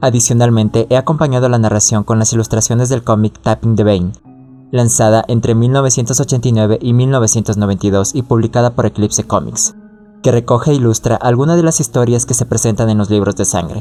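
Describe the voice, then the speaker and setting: Over music in the background, a man talks at a very fast pace with very even loudness. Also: medium pitch for a man, ordinary pitch variation. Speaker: horror story narrator. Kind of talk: audiobook horror story narration.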